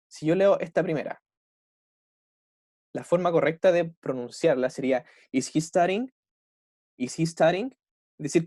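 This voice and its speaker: A male English teacher with a Chilean Spanish accent, speaking in a slightly raised voice. He explains patiently, repeats each example sentence slowly, and keeps checking in with his students. The sound is dry and close, with no room echo. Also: a little high, warm tone. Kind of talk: online class explanation.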